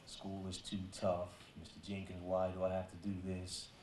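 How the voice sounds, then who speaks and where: A man's voice: sits low, monotone, moderate pace, a little mellow, a little hiss or hum. A man who is a school principal gives a conversational speech at a ceremony, with many fillers. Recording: echoey hall.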